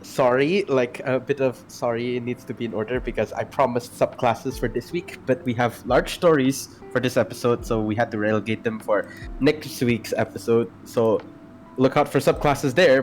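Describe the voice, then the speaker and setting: A man co-hosting a tabletop gaming podcast, reading out homebrew item rules with many fillers and self-corrections. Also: medium pitch. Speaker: podcast co-host presenting homebrew. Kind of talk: casual chat and reading stat blocks.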